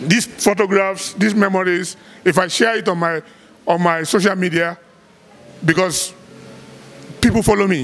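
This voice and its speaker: Speaking at a moderate pace with long, frequent pauses, a man uses a high pitch and fairly even intonation. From Nigeria. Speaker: club business partner. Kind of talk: speech at awards ceremony. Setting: stage with audience. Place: hall. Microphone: handheld.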